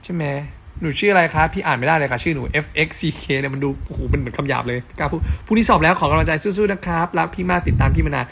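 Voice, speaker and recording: A man's voice: a little high, creaky, noisy background. A man hosting a casual live stream on a phone mic, reading fan comments aloud and chatting affectionately with fans. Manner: spells letters out slowly.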